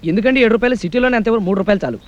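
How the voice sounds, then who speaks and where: A cheeky, bumbling young tailor from a comic film scene, fawning and overly polite, voiced by a man who rattles his lines off quickly. He keeps pestering and apologizing in the same breath. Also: high voice, dull audio, natural voice.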